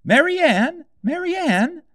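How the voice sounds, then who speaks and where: Storybook rabbit: very high, swooping, fretful, bossy and easily vexed. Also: male voice, big pitch swings, unhurried, fairly bright tone, no echo, clean studio sound, full character voice. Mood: angry, bossy. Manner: muttering, fretful, snapping orders.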